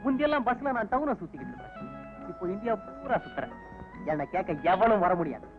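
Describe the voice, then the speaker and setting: An actor playing a boastful former bus conductor who talks to himself in a lift, on tinny old film audio. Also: male voice, sits high, very animated, faint music behind. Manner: boastful, quick and bouncy. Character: boastful jobless ex-conductor man. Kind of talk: Tamil film comedy acting.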